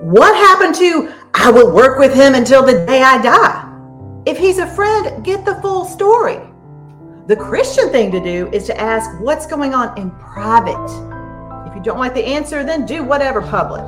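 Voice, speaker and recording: Woman acting out high-pitched, indignant female political advisor. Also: very animated, normal speed, fairly bright tone, faint music behind. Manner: theatrical, pointed. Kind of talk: dramatic reading.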